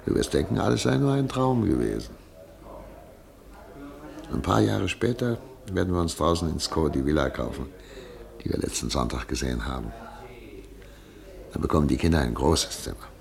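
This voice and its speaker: An actor playing a hopeful, earnest middle-aged exiled doctor and husband in a radio play, speaking in a measured way. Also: male voice, very deep voice, animated, creaky, a little mellow, full character voice. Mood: dreamy, reassuring.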